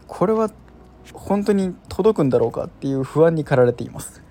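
A man's voice: a little high, lively intonation, brisk, mellow. A man hosting a casual solo chat show, rambling and self-deprecating with lots of filler words. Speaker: podcast host.

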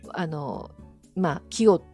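A woman's voice: low-pitched, takes it slowly, mellow, breathy edge. Soothing, polite woman chatting over music. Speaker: interview guest, audio streamer. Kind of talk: casual interview chat.

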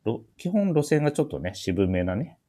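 A man's voice: medium pitch, sing-song, a little fast, warm tone. A man hosting a casual radio-style talk, bantering and teasing his co-hosts. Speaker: show host, MC.

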